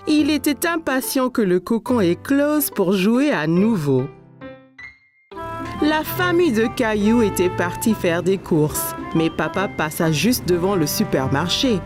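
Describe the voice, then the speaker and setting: A woman narrating a scripted children's cartoon story in an expressive storytelling manner. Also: mid-range voice.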